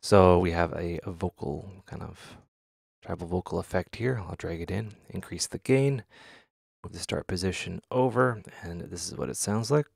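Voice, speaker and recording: A man hosting a software tutorial in casual talk, halting and thinking aloud as he demonstrates. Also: low voice, creaky, husky, dry recording. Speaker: tutorial host.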